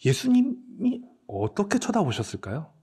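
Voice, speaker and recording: A male pastor giving a sermon, dramatic and animated, reading scripture and asking rhetorical questions. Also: high voice, normal speed, slightly rough.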